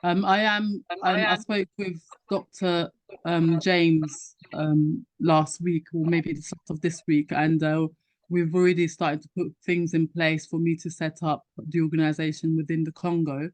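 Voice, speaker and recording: A woman with a British accent speaking as a guest on a video call, hesitant and filling pauses with "um". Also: sits low, flat delivery, no room sound, poor audio. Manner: hesitant, many "um"s. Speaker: guest, goodwill ambassador. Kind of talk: casual remarks at an online meeting.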